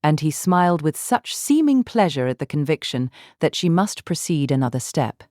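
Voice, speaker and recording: A woman reading literary narration in a measured, formal way as an audiobook narrator. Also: low-pitched, sing-song, a little mellow, dry recording, clean studio sound.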